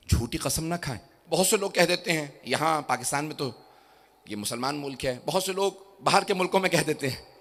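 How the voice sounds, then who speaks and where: A man preaching an impassioned sermon to a gathering, dropping to quiet asides and then building to loud, drawn-out shouted climaxes. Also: high voice. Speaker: Shia cleric giving a religious lecture. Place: gathering before a crowd.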